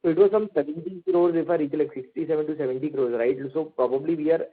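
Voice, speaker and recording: A man's voice: on the high side, fast talker, breathy edge. A man, polite and hesitant, asking questions as an analyst on an earnings call. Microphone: phone. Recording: narrowband phone line.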